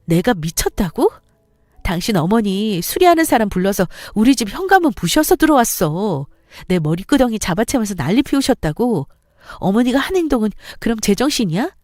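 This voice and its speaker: A woman's voice: mid-range voice, big pitch swings, normal speed, darkish tone, dry recording, studio quality, faint music behind, lightly acted. Woman playing a fed-up, defiant young wife. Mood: angry. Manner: heated, raised voice.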